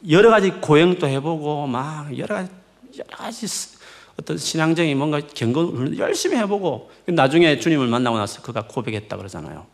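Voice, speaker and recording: Lively, gravelly-voiced Korean pastor preaching. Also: male voice, on the high side. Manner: lively, rising and falling emphatic preaching; conversational, coaxing tone with rhetorical questions. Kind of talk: sermon.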